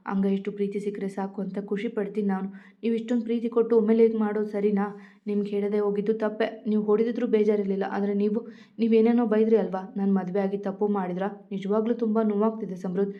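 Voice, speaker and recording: Woman doing a hurt young wife, pleading, tearful, kinda flat, muffled sound. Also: medium pitch, fast talker, lightly acted. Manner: pleading, emotional storytelling reading. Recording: dull lo-fi audio.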